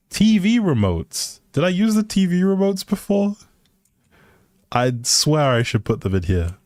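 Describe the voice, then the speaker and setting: A man's voice: lowish voice, warm tone, no echo, studio quality. A man live streaming a game, chatting casually with viewers and thinking aloud in an easygoing, polite way. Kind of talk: casual livestream chat over gameplay.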